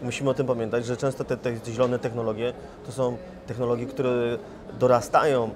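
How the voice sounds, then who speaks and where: A man's voice: medium pitch, flat delivery. Man in his forties over a conference crowd. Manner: measured, with frequent restarts and fillers. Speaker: investment firm chief executive. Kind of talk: interview answers. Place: conference hall in front of a sponsor wall. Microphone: lapel mic. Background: crowd chatter.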